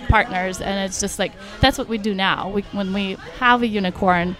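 A woman's voice: medium pitch, fairly even intonation, normal speed, fairly bright tone, soft background music, rough recording. A woman from Russia who grew up speaking Russian, a podcast guest talking openly and frankly in casual chat. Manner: open, frank, talks freely with many likes and you knows.

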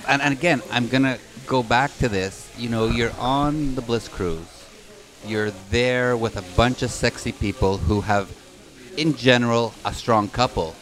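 Man, podcast host, casual delivery, average pitch, hotel lobby setting. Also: a little slow, fairly bright tone, rough recording. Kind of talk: casual podcast talk with sponsor reads.

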